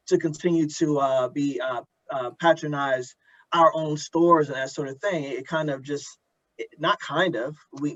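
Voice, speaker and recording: Higher-voiced man, reflective and halting. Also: fairly bright tone. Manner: reflective, halting, repeating words as he builds a point. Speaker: interviewer and host of an audio drama community event. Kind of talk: earnest conversational discussion. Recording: dull lo-fi audio.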